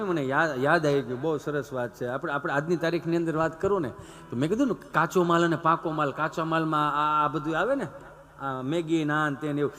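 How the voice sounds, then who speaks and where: Gujarati male stage comic, animated and bright-toned, plays every character himself. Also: fairly high pitch. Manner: animated, acts out village characters in raised voices. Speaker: stage comedian. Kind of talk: folk stand-up storytelling.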